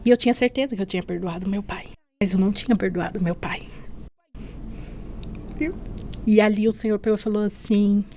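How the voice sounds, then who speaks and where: A woman's voice: mid-range voice, fairly even intonation, brisk, pauses often, a little hiss or hum. Woman telling an emotional testimony. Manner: storytelling that acts out remembered dialogue; leans on tag questions and softening fillers. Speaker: guest sharing a faith testimony. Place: podcast studio.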